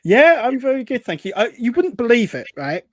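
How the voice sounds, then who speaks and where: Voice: medium pitch, sing-song, brisk, no echo, clean studio sound. A host chatting casually on a live show, rambling and hesitant, reading out comments in an upbeat way. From Essex, England.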